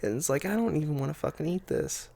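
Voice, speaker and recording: Chill co-host, mid-pitch voice, swears a lot, joking around, dry close sound. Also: animated, quick pace, gravelly, warm tone, dry recording. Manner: laid-back, joking, swears freely. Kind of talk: casual chat.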